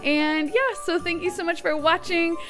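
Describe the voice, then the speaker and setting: A woman's voice: very high voice, moderate pace, over music. A woman hosting a gaming video with casual, giggly commentary, chatting and thinking aloud as she plays.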